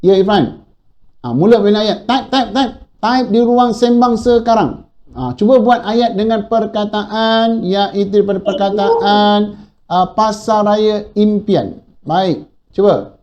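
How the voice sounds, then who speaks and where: A man's voice: high voice, a little slow, a little mellow, lo-fi sound. A man with a Malaysian accent teaching a primary school class online, encouraging the pupils and often repeating his praise.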